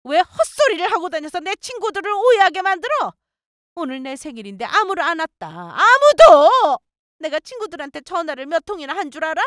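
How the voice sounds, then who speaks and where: A woman voicing a bossy, spiteful older mother-in-law who yells and scolds in a shrill voice. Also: animated, moderate pace, no room sound, studio quality. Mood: furious.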